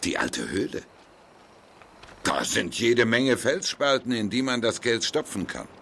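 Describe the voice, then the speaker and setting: An actor playing a sly older villain in a German radio play, hiding greed behind a friendly, deliberate manner. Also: male voice, mid-range voice, big pitch swings, vocal fry, bright, forceful tone, heavily acted. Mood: feigned surprise. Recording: noisy radio play with vehicle ambience.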